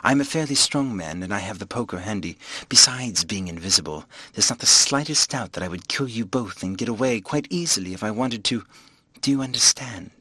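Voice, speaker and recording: A man voicing a menacing, coldly threatening invisible man in an audiobook, hushed and commanding. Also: lowish voice, animated, brisk, husky, no room sound, exaggerated voice. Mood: cold menace.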